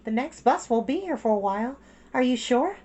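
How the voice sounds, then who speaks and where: A woman reader puts on a responsible schoolgirl, the older sister in a storybook. The voice is high and lively, with polite, earnest manners. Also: a little fast, close to an everyday voice. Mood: patient, coaxing. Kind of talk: children's storybook character voice.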